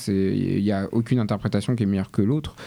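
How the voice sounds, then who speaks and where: A man is heard with a dark, mellow tone. His intonation rises and falls in an ordinary way. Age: 20s. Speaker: actor and playwright. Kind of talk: casual interview.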